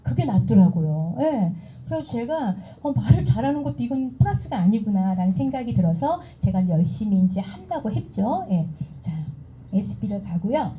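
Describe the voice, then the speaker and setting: A middle-aged woman giving a motivational seminar talk, animated and acting out the dialogue she recounts to the audience. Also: medium pitch, moderate pace, low-quality recording. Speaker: seminar speaker.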